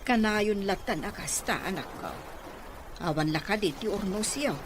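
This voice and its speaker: A woman's voice: mid-range voice, animated, moderate pace, lightly acted. A woman playing a concerned mother of a grown son in an Ilocano audio drama. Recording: noisy amateur recording.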